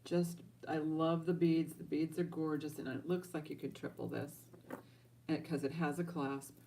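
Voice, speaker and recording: A woman's voice: low voice, fairly even intonation, normal speed, mellow, slight background noise, rough recording. A woman hosting a casual live-stream jewelry auction, chatting directly to viewers and thinking aloud as she goes. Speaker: online jewelry auction host.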